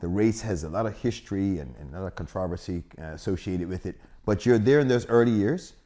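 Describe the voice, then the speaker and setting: A man hosting a sports interview, friendly and quick to laugh as he prompts with questions. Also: deep voice, expressive, mellow. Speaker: sports show host.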